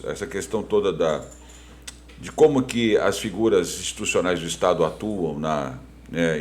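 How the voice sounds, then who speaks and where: A Brazilian man hosting an interview, conversational and halting as he gradually builds his questions. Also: sits low. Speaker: interview host.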